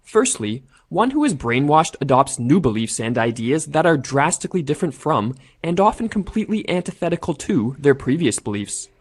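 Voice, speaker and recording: A man reading a scripted documentary narration in a measured, formal way. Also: on the high side, very animated, slightly rough. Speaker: narrator of an essay video.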